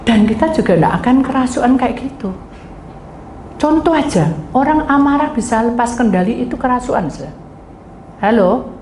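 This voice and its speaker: A woman's voice: a little high, big pitch swings, brisk. A middle-aged woman pastor preaching a sermon, telling stories and acting out voices as she addresses her congregation. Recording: echoey room, faint ambient noise.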